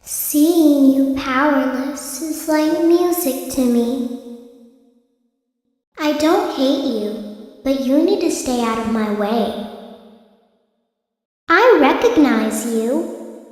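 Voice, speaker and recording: A woman voicing a proud, protective animatronic in a video game, measured and self-possessed as she warns. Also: high voice, a little mellow. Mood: cool defiance. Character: proud, aware female animatronic, coolly protective. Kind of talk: video game villain voice lines. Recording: heavy echoing hall reverb.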